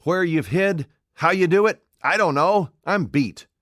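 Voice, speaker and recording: A man voicing an excitable old English tramp who blusters and fumbles his words in an audiobook. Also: high voice, unhurried, no room sound, studio quality, pitched above the performer's own voice. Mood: flustered. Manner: blustering, flustered, dialect-heavy. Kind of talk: audiobook character voice.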